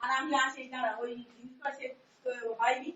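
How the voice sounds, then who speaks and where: A woman's voice: high-pitched, steady tone, fairly quick, sharp tone. A middle-aged woman in a domestic dispute, admonishing and mediating in a rambling way. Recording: distant, echoey, noisy, dull call recording.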